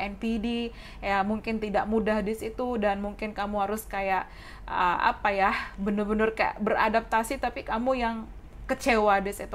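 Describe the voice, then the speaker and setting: A young woman with a hoarse voice giving a casual tarot reading, chatty and often saying "oke". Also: mid-range voice, slight background noise. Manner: chatty, mixes English phrases, says "oke" often. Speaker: tarot reader. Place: indoors at a wooden table.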